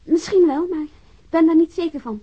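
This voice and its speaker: An actress playing a guarded, evasive witness in a radio drama, speaking hesitantly and with cool politeness. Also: female voice, extremely high pitch, normal speed. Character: guarded, evasive female witness under police questioning. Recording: dull lo-fi radio drama recording.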